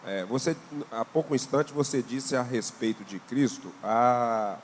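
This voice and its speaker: A man's voice: medium pitch, a little slow. A man with a Brazilian Portuguese accent, a class member speaking up to add a point during a Bible class. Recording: distant in echoing hall, faint noise.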